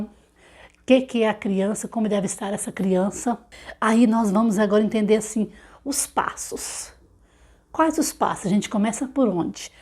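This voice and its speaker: A woman, a literacy teacher explaining the steps to parents, asking herself rhetorical questions and slowly sounding out syllables and example words. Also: mid-range voice, a little mellow. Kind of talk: instructional talk to parents.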